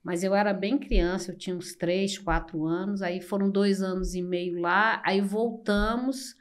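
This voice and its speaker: An older woman from Brazil, a podcast guest telling her life story slowly and reflectively, with many pauses. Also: mid-range voice, steady tone. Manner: slow, reflective, with frequent pauses and fillers. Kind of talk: personal storytelling in an interview.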